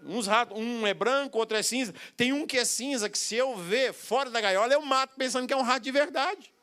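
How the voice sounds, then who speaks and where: A man's voice: very high voice, fairly quick, bright, forceful tone, clean tone. A man with a Brazilian Portuguese accent preaching a sermon, telling a story with quoted voices and bursts of laughter.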